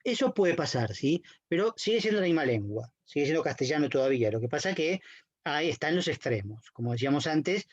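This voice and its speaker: A man's voice: fairly high pitch, sing-song, fast, highs cut off. A man giving a university lecture, explaining patiently and checking in with his students.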